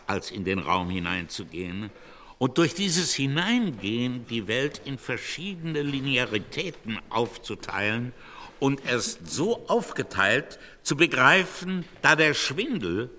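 A man reading a philosophical passage in a measured, reflective way. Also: medium pitch, pushed and bright, long reverb tail. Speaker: narrator.

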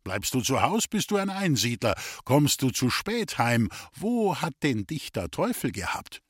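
A man's voice: medium pitch, sing-song, a little slow, breathy edge, no echo, clean studio sound. A man reading a grumbling old Swabian who preaches against marriage in strings of proverbs, as an audiobook figure. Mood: grumbling lecture. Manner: sententious, reeling off proverbs.

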